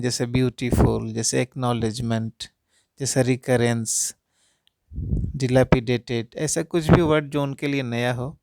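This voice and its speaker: Slow, deliberate male reading tutor. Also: mid-range voice, darkish tone, no echo, studio quality. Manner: deliberate, sounds words out syllable by syllable; repeatedly addresses dear parents. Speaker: English reading tutor for parents. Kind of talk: instructional talk to parents.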